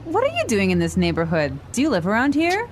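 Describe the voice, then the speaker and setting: A woman playing a friendly, easygoing businesswoman in a scripted language-lesson dialogue, with a standard American accent and cheerful, clear enunciation. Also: medium pitch, sing-song, slow, fairly bright tone, slight background noise. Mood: friendly, upbeat. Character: friendly, easygoing young businesswoman meeting an acquaintance.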